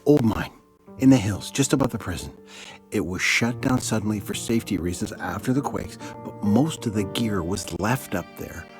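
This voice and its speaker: An actor playing an earnest, anxious captive prison warden in a video game, speaking with urgency. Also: male voice, lowish voice, animated, moderate pace, music in the background, natural voice. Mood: anxious pleading. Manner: hushed, urgent. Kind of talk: video game cutscene acting.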